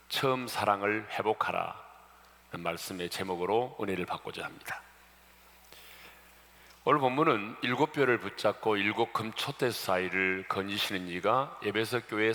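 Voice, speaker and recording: Korean pastor preaching in an echoing church. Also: male voice, fairly low pitch, bright, forceful tone. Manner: addresses congregation often, jokes about regional dialects. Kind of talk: sermon. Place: church sanctuary. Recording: long church reverb.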